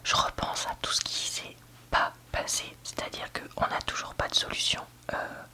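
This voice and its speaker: Whispered, crisp-bright ASMR book reviewer. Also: moderate pace. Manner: soft library whisper, almost entirely unvoiced; candid, hesitant, searching for words. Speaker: book reviewer, video host.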